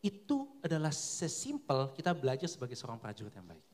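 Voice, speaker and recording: A young man preaching a sermon, lively and colloquial, asking his listeners question after question. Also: medium pitch, fairly quick.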